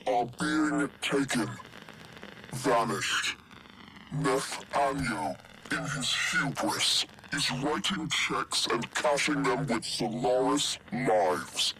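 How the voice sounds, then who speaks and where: Very slow, grave resistance leader. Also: male voice, medium pitch. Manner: deliberate, solemn, commanding. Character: grave resistance leader rallying the oppressed workers. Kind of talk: rallying broadcast address. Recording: clearly noisy broadcast.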